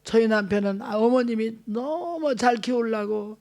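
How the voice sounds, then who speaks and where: A woman's voice: a little high, measured pace, a little mellow. A woman in her sixties from South Korea, preaching a sermon as an evangelist, earnest and exhorting. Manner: earnest, exhorting, acts out quoted family talk.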